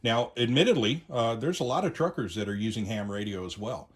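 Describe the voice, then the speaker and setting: A middle-aged American man giving an unscripted, conversational opinion monologue to viewers, with hesitant phrasing and frequent pauses. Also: medium pitch. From United States. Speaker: YouTube host, amateur radio enthusiast.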